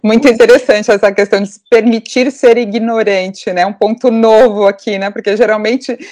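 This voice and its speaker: A woman's voice: mid-range voice, steady tone, normal speed, darkish tone, no echo. A woman interviewer asking long, engaged questions, often adding "né". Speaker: interviewer, host.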